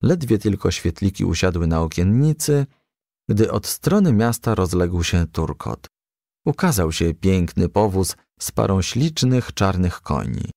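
A man reading a children's story aloud in a gentle storytelling manner. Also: sits low, sing-song, measured pace, vocal fry, no echo, studio quality. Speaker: audiobook reader.

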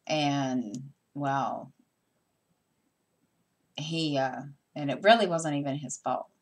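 A woman's voice: rumbling low, slow pace. A middle-aged woman chatting casually at home while she stitches, rambling with plenty of fillers and restarts. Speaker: stitching vlogger. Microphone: camera mic.

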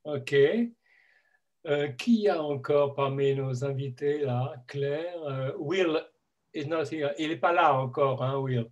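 A man in his fifties hosts a video call from a room at home. He talks slowly, hesitating over his words, and his voice sits a little high for a man. He teases his guests now and then. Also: muffled recording. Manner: hesitant, many fillers, playful teasing. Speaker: host. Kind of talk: casual video call chat.

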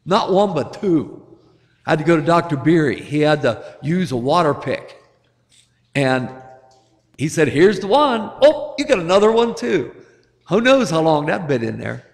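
Older priest, slightly high voice, unhurried homily, echoing church. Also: male voice, very animated. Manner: gentle, storytelling, chuckles at his own jokes. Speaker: Catholic priest. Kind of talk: sermon.

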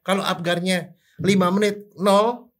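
An older man, a forensic doctor, explaining in casual chat with rhetorical questions and animated sound effects. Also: high-pitched, measured pace.

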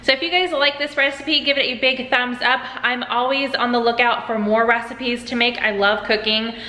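A woman's voice: a little high, fairly even intonation, moderate pace, bright, forceful tone. Chatty woman hosting a kitchen vlog. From United States. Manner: chatty and upbeat, walks viewers through each step. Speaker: cooking channel host. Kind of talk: casual cook-along vlog. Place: home kitchen, indoors. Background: dishwasher running in the background.

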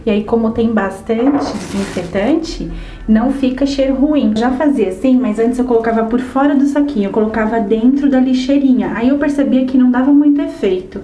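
A young woman with a Brazilian Portuguese accent chats cheerfully through a home vlog, her voice pitched a little high but soft and mellow in tone. She keeps talking straight to her viewers as she moves through a small apartment. A faint hiss sits under the handheld camera mic. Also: brisk, rough recording. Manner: chatty and upbeat, often addressing viewers directly. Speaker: vlogger. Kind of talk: casual home vlog, showing chores. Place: small apartment bedroom and bathroom indoors. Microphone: handheld wide-angle camera mic.

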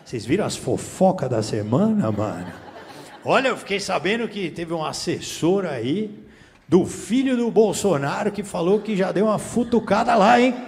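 A man's voice: sits high, very animated, normal speed, darkish tone. A man from Brazil doing a stand-up comedy set on a theater stage with a handheld mic, teasing the crowd in profane slang. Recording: reverberant theater, faint room noise. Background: audience laughter.

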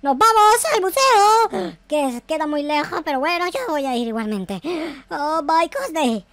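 A gaming host with a high cartoonish voice, doing playful, exclamatory Minecraft roleplay with swearing and bits of English. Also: animated, unhurried, fairly bright tone, no echo. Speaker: YouTube gaming host playing a roleplay character. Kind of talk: improvised Minecraft roleplay commentary.

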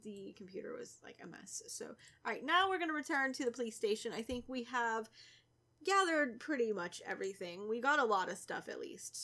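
A young woman with a cold, stuffy and a little raspy, chatting casually through a let's play and teasing the characters. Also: a little high, bright, forceful tone. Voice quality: slightly raspy. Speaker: gaming YouTuber.

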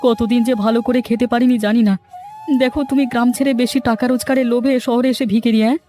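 Very high, whiny schemer. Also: male voice, little pitch movement, fast talker, warm tone, soft background music. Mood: sorry, bitter. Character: whining, town-educated male schemer, later regretful beggar.

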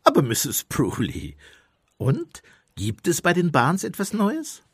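An actor playing a genial, slyly inquisitive village priest in a radio play, courteous and gently probing. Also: male voice, a little high, huge pitch swings, slow, slightly rough, no echo, studio quality, full character voice. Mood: slyly curious. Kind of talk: German radio play acting.

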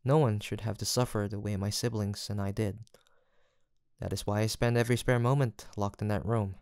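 Male actor as gentle male apothecary, low voice, dry close sound, soft-spoken, formal, earnest, fantasy audio roleplay. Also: gravelly, no room sound. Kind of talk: soft, sweet roleplay acting addressed to the listener.

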